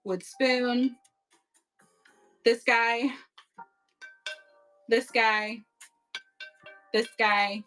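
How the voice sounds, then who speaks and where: Upbeat woman live-selling vintage items, fairly high voice, faint music underneath. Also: fairly even intonation, extremely slow, pauses often, a bit bright, poor audio. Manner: chatty, upbeat, thanks bidders by name. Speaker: online live-auction seller. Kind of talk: casual live-selling chat. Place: home at night.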